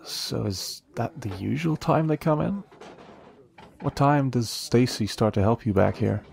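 An actor playing a friendly, protective young café worker in a romance audio roleplay, curious and admiring, gently teasing with hesitant pauses. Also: male voice, medium pitch, animated, gravelly. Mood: curious, sympathetic. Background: soft guitar music.

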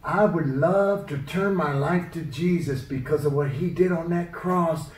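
A woman's voice: deep voice, measured pace, darkish tone. A woman voicing an eager, naive male puppet pupil who responds with wide-eyed earnestness in a children's puppet show. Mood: eager, earnest. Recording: roomy echo, distant microphone.

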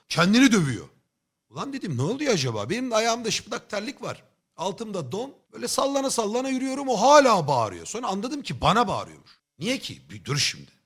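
A man in a casual livestream tells a story in a bright, slightly high voice that swings up and down with a lot of expression. He talks bluntly, swears freely and exaggerates for comic effect. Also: breathy edge. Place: home streaming setup.

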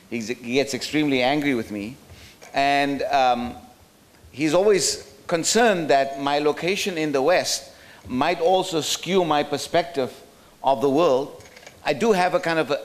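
A middle-aged man from South Africa giving a talk at a roundtable from a podium in a hotel function room, thoughtful and hesitant with many fillers and restarts. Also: mid-range voice. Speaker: speaker at a roundtable. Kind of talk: lecture with slides. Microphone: podium microphone.

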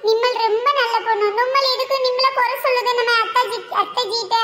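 A woman putting on a squeaky northern bride with broken Tamil. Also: steady tone, fairly quick, sharp tone, big-room sound. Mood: innocent. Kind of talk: comic family skit.

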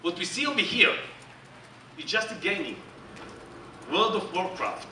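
Middle-aged Israeli-accented presenter, bright and emphatic, heard from the audience in a big echoey hall. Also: male voice, high-pitched, measured pace, far from the mic, a little hiss or hum. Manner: animated, joking, emphatic and repetitive. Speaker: company executive presenting on stage. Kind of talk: keynote presentation. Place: large dark conference hall with audience.

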